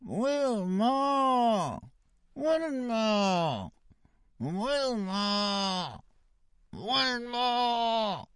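A chorus of bratty little sea-creature siblings from a children's storybook, whining and scolding in a high, pinched voice, as a male reader puts them on. The sound is close and dry. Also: very animated, very slow, fairly bright tone, clear, resonant tone, no echo, exaggerated voice.

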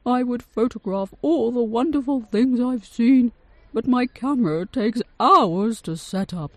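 A woman doing a loud, dramatic time-travelling inventor. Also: fairly high pitch, a little slow, no room sound, voice pushed up. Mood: exclaiming. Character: excitable Victorian male time-travelling inventor.

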